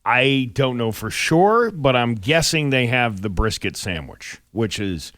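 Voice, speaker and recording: A man's voice: mid-range voice, sing-song, a little slow, fairly bright tone, no echo. A man co-hosting a morning radio show with casual banter, in a studio.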